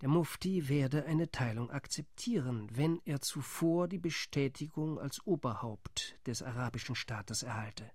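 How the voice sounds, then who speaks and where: An actor playing a wary male Arab delegate who reports gravely in a radio drama monologue. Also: mid-range voice, animated, measured pace, hardly any pauses, darkish tone, dry recording, clean studio sound. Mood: reporting. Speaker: Arab Higher Committee delegate.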